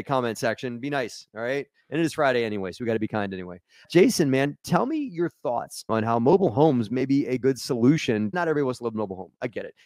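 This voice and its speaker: Fast-talking energetic man hosting a podcast. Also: mid-range voice, dry recording. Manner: energetic, talks fast with restarts and asides to viewers. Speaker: podcast host. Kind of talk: casual podcast monologue and interview.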